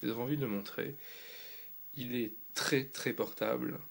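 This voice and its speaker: Gravelly-voiced man doing a casual tech review. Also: medium pitch, fairly even intonation, moderate pace. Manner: loose and rambling, with fillers and restarts.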